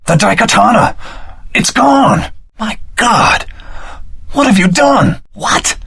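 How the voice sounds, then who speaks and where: A man's voice: mid-range voice, a bit bright, husky, full character voice. An actor voicing an earnest, honorable swordsman hero in a dramatic video game performance. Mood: alarmed, pleading. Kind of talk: scripted video game voice acting.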